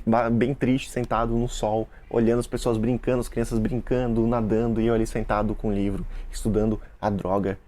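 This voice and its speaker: His voice is mid-range and warm. He's a content creator and Russian teacher from Russia, a native Russian speaker, talking to camera in a relaxed way and explaining things through examples and little asides to his audience.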